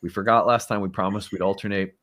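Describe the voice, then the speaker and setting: A man's voice: sits low, steady tone, fast, fairly bright tone. A man hosting an online talk show, making an earnest, upbeat appeal with some fillers. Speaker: host. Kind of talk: casual talk and fundraising appeal.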